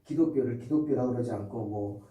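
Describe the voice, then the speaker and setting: A man's voice: mid-range voice, fairly quick, dark tone, muffled recording. A man preaching a sermon as pastor, fervently and with many rhetorical questions to the congregation. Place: church sanctuary. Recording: echoey church hall from far off.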